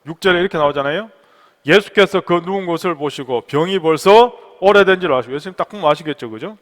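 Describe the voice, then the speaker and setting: High-voiced man preaching in a reverberant hall. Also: quick pace. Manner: swings between loud exhortation and hushed, intimate storytelling. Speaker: pastor. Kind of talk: sermon.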